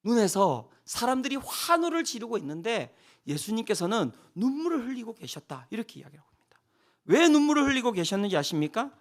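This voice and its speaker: A man preaching a revival sermon as pastor, swinging between loud cries and hushed near-whispers and putting rhetorical questions to the congregation. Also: very high voice, big pitch swings, fairly quick.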